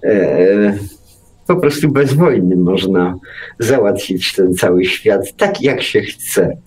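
Slow-talking man in casual debate. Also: on the low side, animated, darkish tone, slightly rough, low-quality recording. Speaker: radio show co-host.

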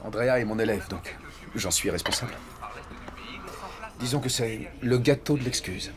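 A man's voice: mid-range voice, normal speed, a crowd in the background, close to an everyday voice. An actor dubbing a courteous former army man in his thirties, now a driving instructor, talking in a polite, earnest way. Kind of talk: French dub of a TV film.

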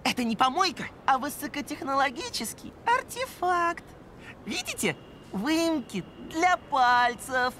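A woman's voice: high-pitched, very animated, measured pace, background noise. A woman voicing an earnest, moody schoolboy in a children's cartoon, with a whiny, protesting manner. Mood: indignant.

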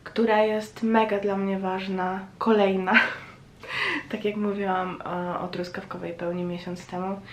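A woman records a casual personal vlog in a roomy, echoing space with faint noise behind her. Her delivery is slow and reflective. She pauses often as she searches for words. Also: mid-range voice, level tone, darkish tone. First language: Polish. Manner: hesitant, pausing, reflective. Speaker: vlogger.

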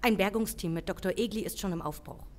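A woman playing a level-headed senior police official in an audio drama, measured, formal and decisive. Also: mid-range voice, close to an everyday voice. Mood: grave, decisive. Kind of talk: German audio drama acting.

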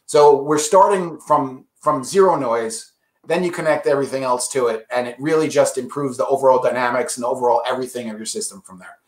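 A man's voice: mid-range voice, fairly quick, roomy sound. A man representing an audio brand, casually explaining products in an enthusiastic, salesy way.

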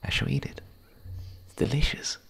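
A man voicing a gentle, playful male werewolf in an ASMR roleplay, speaking softly and intimately, often in a whisper. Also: soft background music, natural voice. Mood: hungry, hushed. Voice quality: husky, breathy, gravelly. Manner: soft, intimate, halting.

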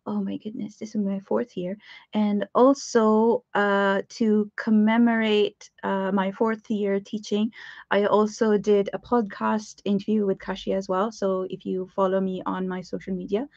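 A woman's voice: mid-range voice, flat delivery, unhurried, darkish tone, no echo. Woman, 30s, from Pakistan, Pakistani English accent, bubbly live-stream art teacher, chatty with fillers, home studio, dry webcam sound, slightly dull audio. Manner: bubbly, greets viewers, frequent laughs and fillers. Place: home craft studio with shelves. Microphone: webcam at desk.

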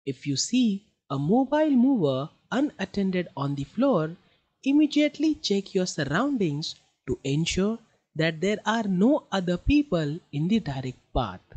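A man reading a scripted e-learning narration as a voice-over artist, in an instructional manner with deliberate phrasing. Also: high voice, a little mellow, husky, highs cut off.

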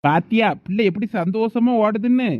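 A man's voice: sits high, moderate pace, dull audio, soft background music, lightly acted. A man playing a doting village father. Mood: indulgent. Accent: Thoothukudi Tamil. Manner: soothing, indulgent toward his daughter. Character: doting village father who spoils his daughter. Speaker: father in a family comedy skit.

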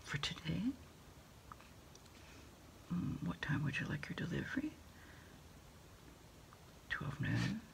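A middle-aged woman doing a quiet ASMR roleplay as an order taker on the phone, speaking in halting, unhurried whispers. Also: low-pitched, very animated, gravelly. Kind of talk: ASMR roleplay, one side of a phone call. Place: small dim desk space indoors.

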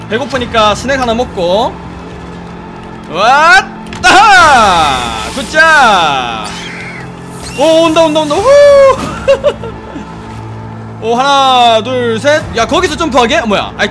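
A man giving playful, jokey commentary while playing a game, talking to the characters and bursting into loud excited exclamations, with game music behind him. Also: extremely high pitch, brisk. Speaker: game streamer. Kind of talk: casual gameplay commentary.

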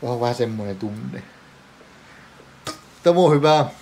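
A man's voice: medium pitch, animated, a little mellow, slight background noise. A man vlogging at home late at night, rambling, swearing constantly and trailing off mid-thought. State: jittery, hyped up. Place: home, indoors.

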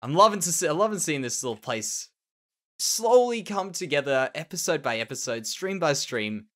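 A man's voice: fairly high pitch, sing-song, moderate pace, fairly bright tone. An Australian man with a nasal, slightly tender voice, musing and repeating words as he comments on his own Minecraft building. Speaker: Minecraft let's play host. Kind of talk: casual gameplay commentary.

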